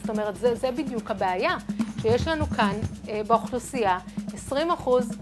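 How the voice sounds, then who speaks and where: A woman's voice: a little high, expressive. A woman speaking earnestly in an interview, arguing her point with frequent fillers. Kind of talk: interview talk. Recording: music bed underneath.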